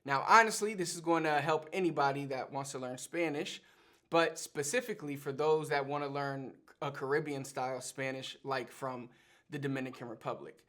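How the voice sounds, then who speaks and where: A Puerto Rican man with a Puerto Rican accent, hosting and explaining things in a lively, chatty way. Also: medium pitch, normal speed. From Puerto Rico. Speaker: Spanish teacher and channel host. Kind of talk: casual teaching monologue to camera.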